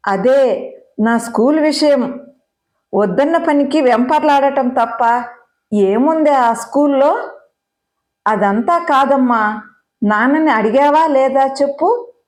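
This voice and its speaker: A woman's voice: high voice, slow pace, pauses often, darkish tone, reverberant. A woman reading the lines of a stubborn young village girl who presses her mother with insistent questions. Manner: insistent, demanding.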